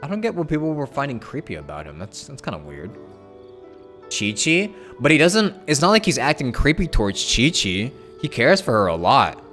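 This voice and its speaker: A man chatting casually on a game livestream, thinking aloud in a halting way and repeating his phrases. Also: medium pitch, huge pitch swings, a bit bright, faint music behind. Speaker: game streamer. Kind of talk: casual livestream chat with viewers.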